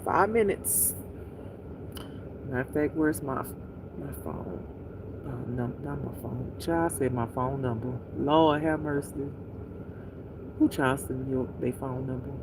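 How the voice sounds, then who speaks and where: A livestream host talking in a soothing, unhurried, intimate pillow-talk way, repeating gentle instructions to relax. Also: mid-range voice, background noise.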